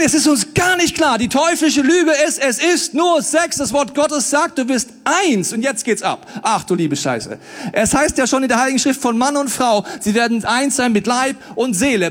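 A man preaches a sermon in a casual, colloquial style. He swings between loud, emphatic pleading and low, quiet intensity, adding acted-out asides.

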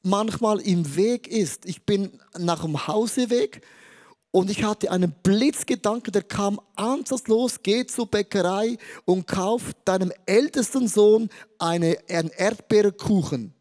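A male pastor with a high voice delivers an energetic sermon. He tells stories about his family and acts out the dialogue. His voice jumps between loud and soft as he quotes people. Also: measured pace. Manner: animated, acts out quotes with shifting pitch and loudness.

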